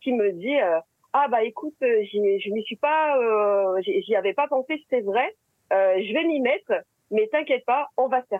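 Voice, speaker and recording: Fairly high in pitch, a woman talks at a very slow pace. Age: 40s. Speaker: coaching program participant. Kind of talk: testimony. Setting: remote recording.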